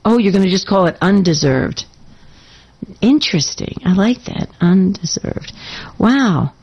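A woman's voice: mid-range voice, lively intonation, measured pace, a little mellow, slightly rough, highs cut off. A woman hosting a call-in radio show in a casual, enthusiastic and affirming way, her voice slightly scratchy.

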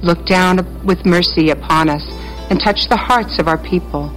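A woman reading a prayer aloud, slow and solemn. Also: on the low side, faint music behind, poor audio. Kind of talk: recited prayer.

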